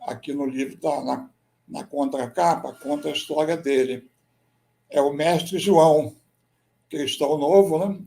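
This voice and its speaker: A Brazilian man, a military history researcher and writer, giving a measured, explanatory slide presentation and often tagging his sentences with a questioning "né?". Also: a little high, vocal fry, dark tone. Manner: measured, explanatory, with frequent "né?" tags.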